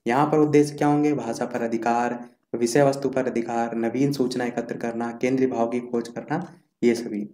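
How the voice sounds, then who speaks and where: A man's voice: medium pitch, flat delivery, moderate pace, dark tone, echoey room. A man giving an online revision lecture for an exam, reading out points as a list and repeating key terms while he scrolls through notes. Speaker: exam-prep teacher. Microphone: screen recording while scrolling notes.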